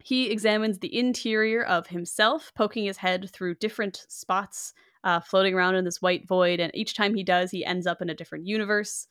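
A woman's voice: medium pitch, fairly even intonation, a little fast, a bit bright, smooth, no echo, studio quality. A woman hosting a podcast, recapping a film's plot in casual chat, with frequent fillers and small laughs. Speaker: podcast host.

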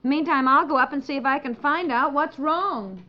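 A woman's voice: sits high, normal speed, soft background music, natural voice. A woman playing a sensible, caring housewife and mother in a 1950s radio comedy, with natural, matter-of-fact conversational delivery. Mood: concerned, practical. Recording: dull 1950s radio recording.

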